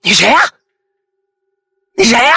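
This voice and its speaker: A storyteller voicing a middle-aged aunt who shouts stern demands at night, then turns soft and apologetic. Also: mid-range voice, wildly swooping pitch, slow, creaky, slight background noise, pitched above the performer's own voice, full character voice. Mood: shouting.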